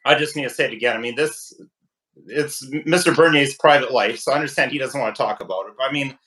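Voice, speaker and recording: A man hosting a live-stream interview over his phone, talking in an animated, ranting way. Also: mid-range voice, fast talker, rough recording. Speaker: talk show host.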